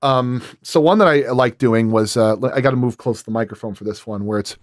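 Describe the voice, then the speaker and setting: A man talking casually as a guest sound designer, in a halting, hesitant way. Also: medium pitch. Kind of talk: casual roundtable chat.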